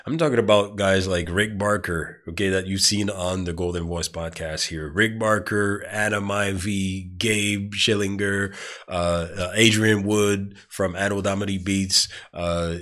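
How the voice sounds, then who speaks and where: A man with a very low, congested voice hosts his podcast alone. He rambles in a casual way, restarting sentences and leaning on fillers as he goes. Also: fairly bright tone. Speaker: podcast host. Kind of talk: casual monologue.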